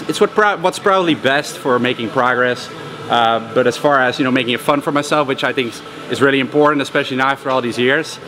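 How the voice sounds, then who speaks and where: A man talking casually while training in a gym, loose and relaxed, with lots of "like" and "you know", a little out of breath. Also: medium pitch, background noise. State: slightly out of breath. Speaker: fitness vlogger. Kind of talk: casual talk to camera. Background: music.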